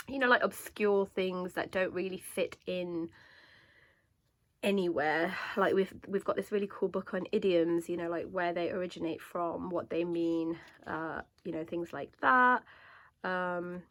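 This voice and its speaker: A woman's voice: lowish voice, gravelly, a bit bright. A woman with a sore, congested throat, chatting casually to camera about her planner, with lots of fillers. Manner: chatty, many fillers and restarts. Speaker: homeschooling parent vlogger. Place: indoors at a table. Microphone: camera above a desk, hands only in frame.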